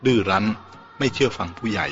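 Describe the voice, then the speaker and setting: A man's voice: on the low side, fast talker, a bit bright, close to an everyday voice. A man reading as a stubborn tearful young woman. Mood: insistent. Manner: insistent, pleading. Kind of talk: audiobook character voice. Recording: dull lo-fi with faint music.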